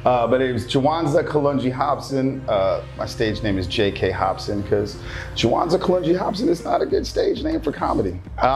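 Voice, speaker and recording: An American man who does stand-up comedy speaks as a guest. He talks quickly and jokes as he goes, and his voice is a little low. Faint music plays behind him. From United States. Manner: joking, quick, animated. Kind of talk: casual interview chat.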